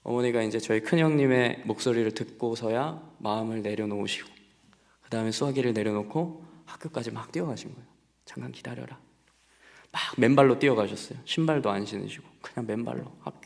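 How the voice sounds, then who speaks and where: A man's voice: medium pitch, quick pace, vocal fry. A young adult man preaching to a congregation in a conversational, storytelling way and asking them questions. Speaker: pastor. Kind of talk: sermon. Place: church sanctuary. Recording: long reverb of a church hall.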